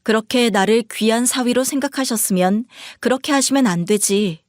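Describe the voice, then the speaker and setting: A woman's voice: fairly high pitch, moderate pace, no echo, clean studio sound, close to an everyday voice. A woman voicing a rude, arrogant husband who talks in curt, dismissive orders.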